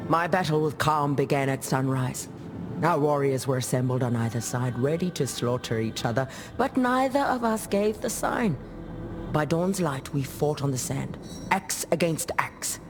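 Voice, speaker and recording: An actress playing a proud, solemn dead female warrior chieftain in a video game, telling tribal lore in a measured, formal way. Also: low-pitched, lively intonation, over music. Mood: proud, grave. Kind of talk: video game character monologue, storytelling.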